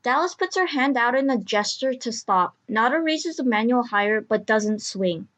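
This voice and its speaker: A woman's voice: on the high side, lively intonation, normal speed, fairly bright tone. A woman reading scripted story narration as the narrator of an audio drama.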